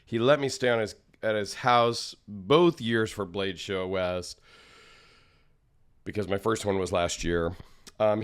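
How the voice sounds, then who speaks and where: A man hosting a casual solo vlog, chatty and rambling, his voice a little raspy and tired from travel. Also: medium pitch. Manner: rambling, self-deprecating, chatty. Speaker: knife channel host.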